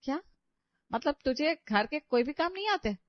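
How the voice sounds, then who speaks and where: A woman's voice: sits high, animated, moderate pace, dry recording. A woman voicing an aging, long-suffering mother-in-law in a cartoon story, who pleads and scolds in exasperation. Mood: pleading. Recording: dry, slightly dull audio.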